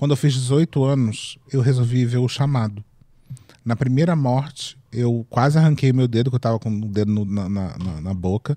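A man with a dark, mellow tone speaks at medium pitch and a moderate pace with ordinary pitch variation, in a dry sound with no echo over a quiet background. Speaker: podcast host. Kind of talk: casual comedic chat. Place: studio. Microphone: studio mic.

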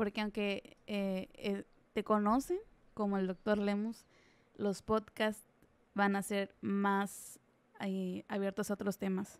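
A woman at medium pitch speaks at a very slow pace in a flat monotone, with long, frequent pauses and a dry sound with no echo. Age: 20s. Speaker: singer and video editor; podcast guest. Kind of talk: casual chat. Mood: cheerful, relaxed. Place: studio. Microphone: studio mic.

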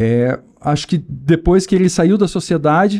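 This man takes his words at a fairly slow pace. Nothing else can be heard behind him. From Brazil. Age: 50s. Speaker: base jumper and bungee jumping instructor. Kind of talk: casual chat. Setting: studio. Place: studio. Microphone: studio mic.

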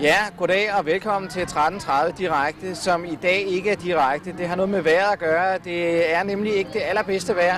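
Against noticeable background noise, the voice runs with hardly any pauses and fairly even intonation, the sound dry with no echo. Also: man, high pitch for a man, moderate pace. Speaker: local TV presenter. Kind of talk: on-location interview. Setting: outdoors. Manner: hesitant, many fillers. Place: open country. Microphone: handheld.

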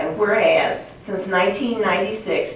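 There is light background noise and audible room echo. A woman is speaking. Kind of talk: formal reading of a resolution. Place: meeting room.

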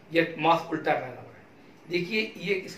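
A man speaks in a room with audible echo. Light background noise sits behind him. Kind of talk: health explainer talk. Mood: calm, earnest, advising.

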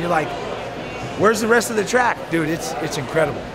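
A man speaks at a very fast pace. Loud background noise runs behind him. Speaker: radio host. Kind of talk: excited casual interview answer. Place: station. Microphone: lapel.

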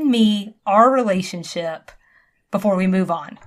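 Against a quiet background, a woman with a Southern US accent speaks in a playful tone. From US South. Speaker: podcast co-host. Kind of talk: casual chat. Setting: remote recording, separate rooms. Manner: playful, laughs often. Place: home room. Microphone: studio mic.

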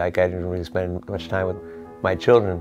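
A man's very deep, low voice with clear music in the background. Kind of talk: interview answer. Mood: reflective, somber. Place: office.

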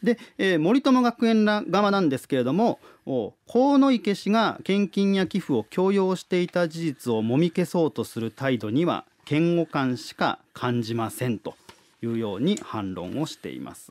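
With very wide pitch swings, a high-voiced man talks at a fairly slow pace. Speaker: radio announcer. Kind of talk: news report. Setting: radio studio. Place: studio.

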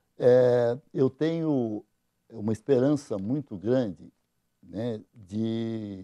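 A man's dark, mellow voice with ordinary pitch variation, very slow in pace, over a quiet background. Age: 60s. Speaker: politician. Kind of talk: interview. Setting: studio. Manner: halting. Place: studio.

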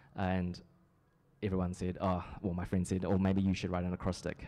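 A man with a New Zealand accent speaks at a very fast pace in a monotone, flat intonation. His very deep, low voice has a dark, mellow tone. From New Zealand, Lower Hutt. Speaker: poet. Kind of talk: interview. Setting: stage with audience. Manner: halting. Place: stage. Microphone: handheld.

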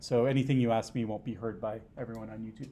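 A man rattles along at a very fast pace in a dark, mellow tone with monotone, flat intonation. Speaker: university lecturer. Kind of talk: lecture. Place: classroom.

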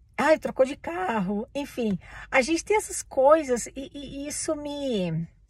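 A woman speaks at a fairly slow pace in a high voice, her pitch swinging very widely and her loudness rising and falling a lot. The sound is dry with no echo, over a quiet background. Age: 50s. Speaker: vlogger sharing personal reflections. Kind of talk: casual vlog monologue. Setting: in a car. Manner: halting. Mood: reflective, somewhat troubled. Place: car. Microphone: phone near.

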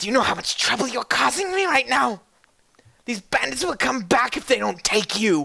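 Putting on a character voice, a man speaks at a moderate pace with an extremely high pitch and very wide pitch swings. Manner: weary, scolding.

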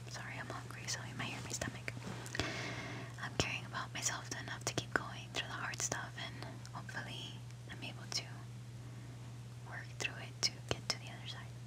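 A soft-spoken woman whispers at a moderate pace, with long, frequent pauses, over loud background noise. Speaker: vlogger. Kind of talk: casual vlog chat. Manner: soft close whisper. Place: home room. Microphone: earbuds.

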